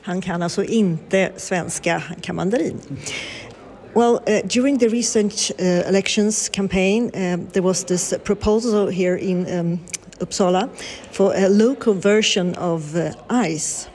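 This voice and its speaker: A woman's voice: medium pitch, measured pace, darkish tone. A woman radio reporter with a Swedish accent, asking interview questions with many hesitant ums.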